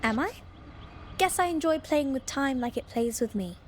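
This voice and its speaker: An actress playing an enigmatic, playful girl guide in a mythic Persian video game, with a cryptic, gently teasing manner. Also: high voice, lively intonation, moderate pace, noisy background. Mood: wistful, cryptic. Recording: long reverb, faint music behind.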